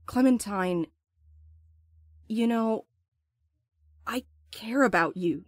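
A woman's voice: fairly high pitch, drawn-out words, no echo, studio quality. A woman playing a restless, blunt courier in an audio drama, urgent and sardonic, eager to escape. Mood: earnest, confessing.

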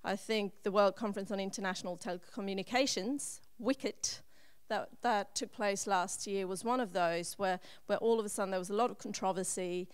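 Woman, smooth clear voice, dry close sound, fluent panel talk, handheld mic. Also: medium pitch, steady tone, no room sound. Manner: quick, fluent, with frequent "you know". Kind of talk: panel discussion. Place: conference stage. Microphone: handheld microphone.

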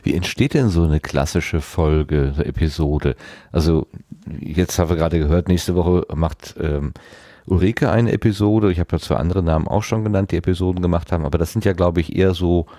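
A man's voice: low voice, fairly quick, warm tone, no room sound, studio quality. A man hosting a podcast interview, asking casual questions and carefully rephrasing them as he goes.

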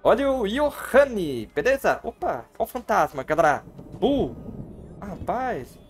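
A man's voice: high voice, very animated, measured pace, faint music behind. A man with a Brazilian Portuguese accent, giving playful, joking gameplay commentary on a livestream and talking to his chat. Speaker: game streamer.

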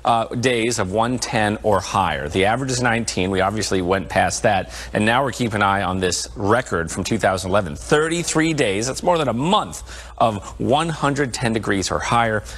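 A man presenting a TV weather forecast, relaxed and joking with the crew as he goes. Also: fairly low pitch, normal speed.

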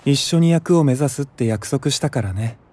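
Male actor as gentle young mentor, mellow tone, kind, composed, voice drama. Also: medium pitch, lively intonation, moderate pace, close to an everyday voice. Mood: encouraging. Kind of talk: anime-style voice drama acting.

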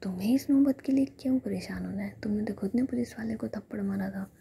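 Woman playing a teasing young woman, whispery, gravelly. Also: medium pitch, fast talker, mellow, a little hiss or hum, close to an everyday voice.

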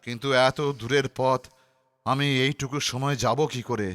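A man's voice: medium pitch, fairly even intonation, normal speed, lightly acted. A man voicing a brave, selfless wandering king in a children's cartoon, with earnest theatrical delivery. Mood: earnest, bold. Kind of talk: Bengali children's cartoon acting. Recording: loud music under the voice.

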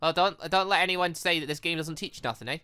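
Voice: mid-range voice, quick pace, pushed and bright, smooth, no echo, soft background music. A let's play host chatting and rambling over a visual novel, laughing often. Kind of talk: casual reading of a visual novel with commentary.

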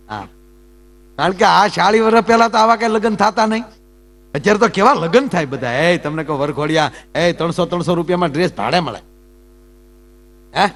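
A man's voice: on the high side, a bit bright. A man performing folk comedy talk on stage, teasing the audience and jumping between jokes and asides.

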